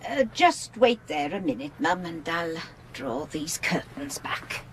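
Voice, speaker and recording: An actress playing a homely, talkative and deferential Welsh housekeeper in a 1980s British radio drama. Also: female voice, low voice, sing-song, a little slow, background noise. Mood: deferential, chatty. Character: deferential, chatty Welsh housekeeper, married woman.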